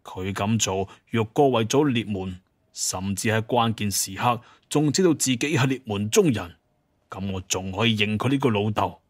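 A man's voice: lowish voice, normal speed, no room sound, clean studio sound, lightly acted. A man playing a proud, bitter hunter clan heir in an audio drama, with an emphatic manner. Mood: bitter, indignant.

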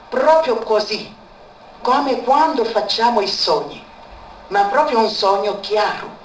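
Woman sharing a personal testimony, emphatic repetition; faint noise behind, reverberant space. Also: on the high side. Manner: repeats words for emphasis. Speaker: speaker giving a testimony. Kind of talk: emotional spoken testimony. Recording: echoey room, far from mic, faint background noise.

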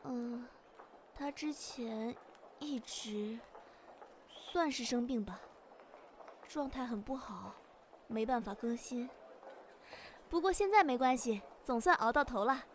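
A sweet young little sister acted by a woman in an amateur radio play. Her voice is high and playfully bossy, over faint ambient noise. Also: lively intonation, slow pace, pauses often. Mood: subdued, relieved. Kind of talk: amateur radio drama acting.

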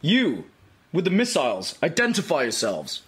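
A man's voice: a little high, wildly swooping pitch, moderate pace, noisy background. A man voicing a fierce, irritable young woman in a cartoon table read, indignant and emphatic. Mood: angry demanding.

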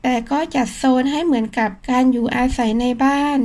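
Woman, audiobook narrator, high-pitched, steady scripted narration. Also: a little fast.

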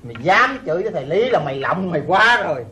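Bullying village boss, blustering, threatening, wailing, fast, bright tone. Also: male voice, sits high, sing-song, heavily acted. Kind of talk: 1980s Vietnamese folk opera acting.

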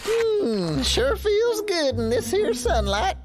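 A small greedy cartoon rodent, played by a woman, high-pitched and wildly animated. The talk is folksy and exaggerated, with drawn-out words over music. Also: full character voice. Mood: contented. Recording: music behind the voice.

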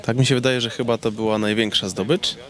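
A man in his thirties, easygoing and pausing often, answers questions outdoors into a handheld microphone in speech. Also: mid-range voice, steady tone. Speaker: interviewed singer. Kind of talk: casual outdoor interview. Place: outdoors in a garden with trees. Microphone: handheld reporter microphone.

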